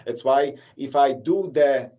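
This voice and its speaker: Polish man, halting accented English. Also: medium pitch, highs cut off. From Poland. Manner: halting, many fillers and restarts, non-native grammar. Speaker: city tour guide and vlogger. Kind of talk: casual live-stream chat with viewers.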